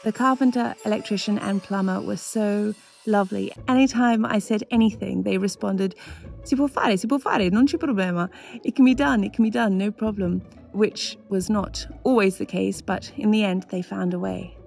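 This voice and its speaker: A woman's voice: mid-range voice, normal speed, vocal fry, a little mellow, faint music behind. A woman in her thirties, a lifestyle vlogger from Australia, narrating her home kitchen renovation in a chatty, enthusiastic way and laughing often. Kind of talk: voice-over narration and casual vlog talk.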